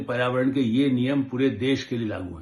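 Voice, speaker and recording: The man's voice is medium-pitched and somewhat breathy. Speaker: veteran journalist and commentator. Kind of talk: news commentary monologue. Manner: halting, with fillers.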